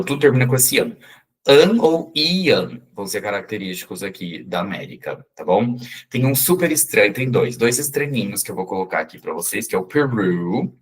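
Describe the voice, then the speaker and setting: A Brazilian man giving a relaxed English lesson, often checking in with his listeners and slowly drawing out English words. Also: on the low side, slightly rough. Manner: chatty, with frequent "tá?" and "né?" check-ins, slowly spelling out English words. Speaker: English teacher. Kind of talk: casual explanatory lesson.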